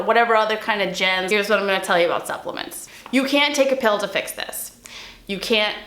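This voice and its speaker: A woman's voice: mid-range voice, fairly bright tone, echoey room. A young adult woman, a recovery mentor, giving blunt, emphatic tough-love advice straight to camera. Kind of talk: direct-to-camera advice vlog.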